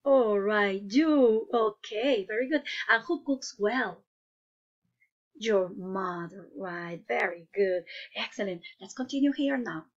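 A woman's voice: medium pitch, takes it slowly, lo-fi sound. A woman teaching English to young children in a patient way, asking questions and praising each answer. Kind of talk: online class lesson.

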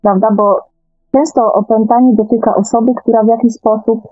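A woman's voice: on the high side, fairly even intonation, a little fast, faint music behind. A woman guest in a radio discussion, explaining her views conversationally and tentatively. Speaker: guest author. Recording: dull, band-limited remote connection.

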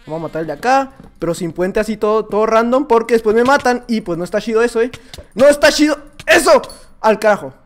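A young man with a Mexican accent commenting on his own gameplay, excitable and prone to shouts and laughter, muttering to himself between bursts. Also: high-pitched. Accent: Mexican Spanish. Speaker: gaming YouTuber. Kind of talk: live Minecraft gameplay commentary.

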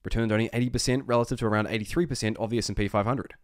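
A man's voice: fairly low pitch, steady tone, very fast, no room sound, studio quality. A man giving off-the-cuff investment commentary, speaking emphatically with repeated phrases and rhetorical questions. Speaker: investing video host. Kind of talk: off-the-cuff stock analysis commentary.

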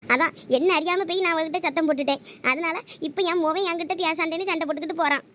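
A tearful, resentful village mother with a Thoothukudi accent, played by a woman in a village drama. Her voice sits lower than the housewife's and moves quickly through her grievances. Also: fairly even intonation, a bit bright, slight background noise. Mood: aggrieved. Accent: Thoothukudi Tamil. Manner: complaining, tearful.

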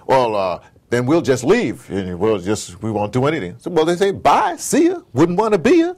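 A man's voice: mid-range voice, moderate pace. A man being interviewed, giving passionate, informal political commentary with emphatic storytelling, slangy phrasing and rhetorical questions. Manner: animated, emphatic storytelling, acts out dialogue. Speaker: interview guest.

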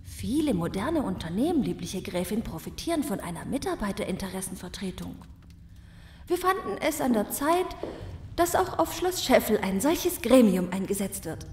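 A woman playing a polite, eloquent castle servant in a comic fairy-tale audio drama, formal and smoothly official. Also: medium pitch, big pitch swings, normal speed, a little mellow, reverberant, a little hiss or hum, lightly acted. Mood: formal, persuasive.

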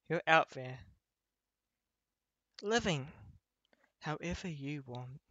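Man voicing a slow, gentle teddy bear. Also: fairly high pitch, dry recording, highs cut off. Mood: wistful, fond. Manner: slow, tender, with frequent pauses. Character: gentle, nostalgic childhood teddy bear, loving and wistful. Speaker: voice actor. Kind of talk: ASMR roleplay addressed to listener.

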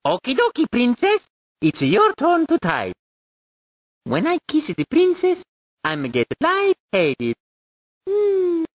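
A man's voice: wildly swooping pitch, slow pace, long pauses, no room sound, full character voice. A man voicing Mario, a cheerful cartoon plumber hero with an exaggerated Italian accent, giggling and cheering on a player learning to type in a video game. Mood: encouraging. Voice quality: squeaky, sing-song. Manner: goofy and encouraging, giggly. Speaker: typing tutor guide. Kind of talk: video game character voice lines.

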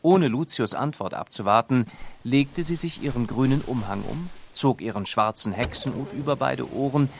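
A man narrating a scripted children's story in an expressive, deliberate storytelling manner. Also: mid-range voice, creaky, background noise. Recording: studio narration over music. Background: music.

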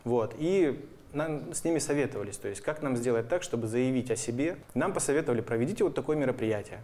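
A man's voice: mid-range voice, animated, fast talker, mellow. A man in his thirties explaining things casually as a guest in a studio interview. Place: television studio, indoors. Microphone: lapel microphone.

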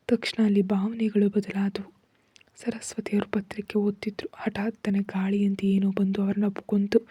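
A woman narrating a dramatic family story in a soft, steady whisper. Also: medium pitch, slightly rough, no echo.

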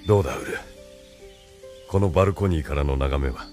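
Scheming military chief, radio play, deep and commanding. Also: male voice, a little fast, soft background music. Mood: measured. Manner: commanding, calm and musing. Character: cunning male military leader, coolly commanding. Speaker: leader of the secret police. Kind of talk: radio drama acting.

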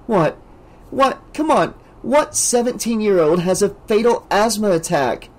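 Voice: medium pitch, animated, a little slow, pitched above the performer's own voice, lightly acted. A reader voicing an angry teenage girl who snaps bluntly and holds back tears. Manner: snapping, blunt.

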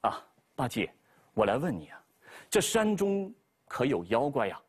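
A calm, gentle monk master, put on by a male storyteller, speaks in a measured, husky voice. He sounds patient and unhurried. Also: medium pitch, voice pushed down.

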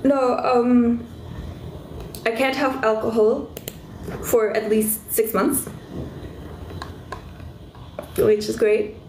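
A woman's voice: fairly high pitch, steady tone, slow, a little mellow, roomy sound, a little hiss or hum, low-quality recording. A young woman with a stuffy nose and a fading voice, chatting casually with viewers of her livestream from her bedroom, easily distracted. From South Africa. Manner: chatty, easily distracted, squeals at cute things. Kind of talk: casual live chat with viewers. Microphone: phone held close.

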